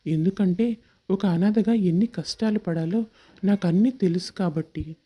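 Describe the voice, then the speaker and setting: A woman voicing a sincere, devoted young man in love, earnest and polite, in an animated moral story. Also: medium pitch, normal speed, husky, dull audio, natural voice. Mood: sincere, reassuring.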